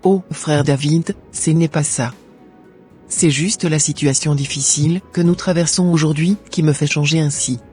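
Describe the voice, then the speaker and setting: A man's voice: on the high side, fairly even intonation, moderate pace, darkish tone, faint music behind, lightly acted. A man voicing a young Christian woman in a cartoon, earnest and plaintive, later grateful and pious. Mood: hesitant. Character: young Christian woman Anne, torn over money.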